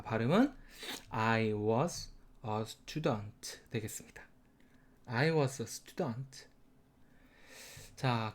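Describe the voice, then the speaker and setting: Man teaching with a lively, swinging pitch. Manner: explains step by step, drills phrases slowly; starts sentences with a prompting filler. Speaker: English teacher. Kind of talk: whiteboard lesson.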